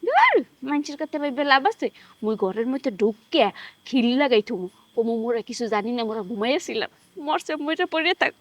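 Comedy-drama casting: a high-pitched, bossy village wife, dry sound. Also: female voice, big pitch swings, fairly quick, dry recording. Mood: scheming. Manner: scolding, bossy. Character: scheming, sharp-tongued village wife.

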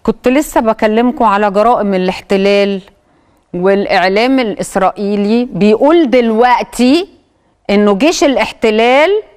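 A woman's voice: medium pitch, fairly quick, darkish tone, clean tone. A woman with an Egyptian accent hosting a TV talk show, commenting on clips with hesitant fillers. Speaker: TV host.

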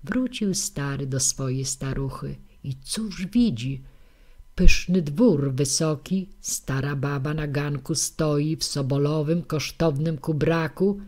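Deep-voiced female storyteller, slow and measured, for a children's fairy-tale audiobook. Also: darkish tone. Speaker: audiobook reader.

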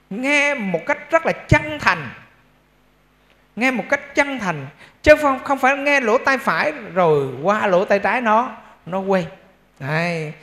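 A male Buddhist monk with a Central Vietnamese accent gives a dharma talk in a temple hall, in a very high voice with a sharp tone. He speaks conversationally, checks in with his audience, and slips in humorous asides.

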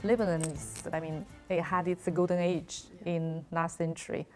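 A woman in her thirties with a somewhat low voice asks polite, formal interview questions. She speaks in a formal sitting room, with faint music underneath. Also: level tone, moderate pace, a little mellow. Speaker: host.

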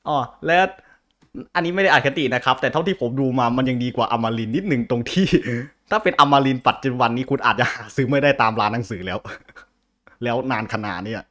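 A man co-hosting a chat. His pitch is average for a man. He explains things informally, hesitating and doubling back on words as he goes. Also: brisk, a bit bright. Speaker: co-host.

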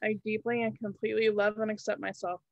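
A woman's voice: mid-range voice, level tone, quick pace, gravelly, darkish tone, lo-fi sound. A woman on a video call, speaking hesitantly and repeating phrases back to her coach. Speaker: coaching client. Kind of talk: casual talk on a video call.

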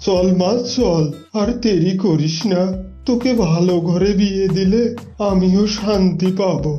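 A man's voice: high-pitched, a little slow, warm tone, muffled recording, faint music behind. A man voicing a middle-aged father fox in a cartoon, anxious and polite, with a coaxing, fatherly manner. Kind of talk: cartoon fairy-tale character dialogue.

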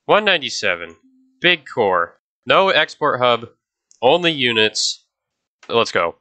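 Here a young gaming host speaks slowly but very animatedly in a mid-range, sharp voice. He's sick with a stuffy nose, and his casual gameplay commentary is chatty, aimed at viewers, and prone to distraction.

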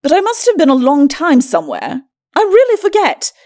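A haughty skeleton lord from a storybook, acted out by a woman, bickering with mocking disdain. The pitch moves widely through archaic, aristocratic phrasing, and it sits on the high side for the reader. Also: wildly swooping pitch, fairly quick, a little mellow. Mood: irritable, dismissive. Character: bickering, sneering undead skeleton lord, a husband. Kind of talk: storybook character acting.

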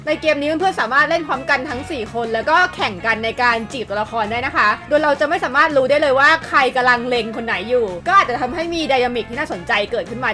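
A woman's voice: high-pitched, pushed and bright. A woman hosting a video list in an upbeat scripted narration, addressing viewers in a polite, friendly way. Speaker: video host presenting a game list. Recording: music behind the voice. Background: background music.

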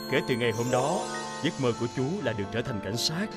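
A man's voice: mid-range voice, lively intonation, fast talker, lightly acted. A man playing a young, kindly but scolding policeman in a dubbed children's cartoon, sincere, with music behind. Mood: nostalgic. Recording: loud background music.

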